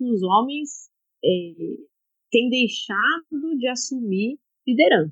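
This woman's voice sits fairly high. It rises and falls across a very wide range. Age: 30s. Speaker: writer and researcher on feminism and Christianity. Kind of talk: interview.

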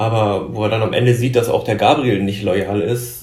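Over noticeable background noise and audible room echo, a man speaks at a fairly quick pace in a monotone, flat intonation. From Berlin, Germany. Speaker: film director. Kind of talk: casual interview.

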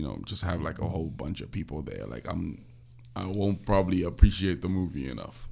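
Very deep and low with vocal fry, a man's voice moves at a fairly quick pace with ordinary pitch variation. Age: 20s. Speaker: podcast co-host. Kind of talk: casual chat.

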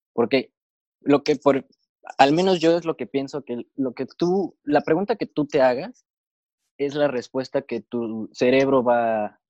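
The sound is dry and close with no echo as a man talks at a fairly slow pace in a medium pitch, with ordinary pitch variation. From Mexico, Querétaro. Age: 20s. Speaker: podcast co-host, marketing entrepreneur. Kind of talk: casual chat. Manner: halting, many repetitions.

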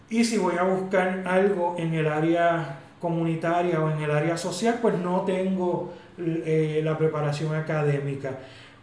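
A man's high-pitched voice at a fairly slow pace, with fairly even intonation, audible room echo and noticeable background noise. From Puerto Rico, Ponce. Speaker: podcast co-host, community worker. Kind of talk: casual conversational interview. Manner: hesitant, many fillers and repetitions.

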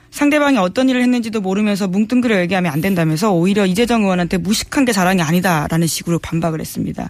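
A woman talks at a very fast pace and a medium pitch, with hardly any pauses. Her intonation is lively and her loudness very even. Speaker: news magazine reporter. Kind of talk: news briefing.

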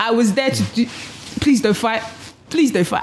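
The speech moves at a fairly quick pace with lively intonation over noticeable background noise. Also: woman. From Nigeria. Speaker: podcast co-host. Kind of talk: casual chat. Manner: chatty, joking.

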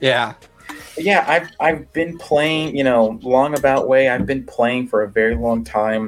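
A man speaks at a fairly slow pace in a medium pitch with ordinary variation. Music plays in the background. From South Florida (Hialeah, Miami area), Cuban-American community. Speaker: tabletop RPG content creator and game master. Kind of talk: casual chat.

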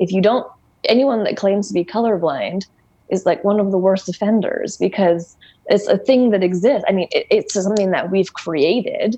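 A dark, mellow tone with ordinary pitch variation. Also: woman, medium pitch for a woman, moderate pace. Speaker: podcast co-host. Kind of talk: casual chat.

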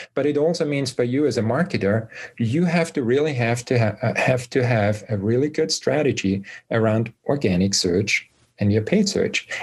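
A man with an Austrian accent speaks at a moderate pace with lively intonation. His voice is somewhat breathy and his loudness very even. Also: medium pitch for a man. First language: German. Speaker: marketing executive. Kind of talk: interview answers. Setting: video interview.

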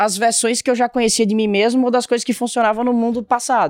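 Extremely high in pitch, a man's voice comes through dry and close with no echo, on a very clean recording with a silent background. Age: 20s. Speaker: young entrepreneur. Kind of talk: casual chat.

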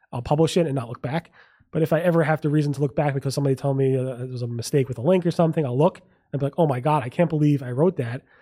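A man mumbles at a very fast pace in a fairly high pitch, his dark, mellow tone somewhat breathy and his intonation fairly even, on a very clean recording with a silent background. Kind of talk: casual interview. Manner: fast talker, mumbles.

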